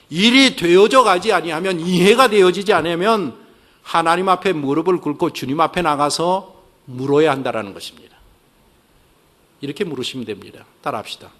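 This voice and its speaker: A man delivers a sermon from the pulpit in a fairly high-pitched voice. He poses rhetorical questions and has the congregation repeat short prayers after him. His delivery moves between quiet passages and emphatic pushes. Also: moderate pace. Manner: preaching with call-and-response prompts to the congregation. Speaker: pastor.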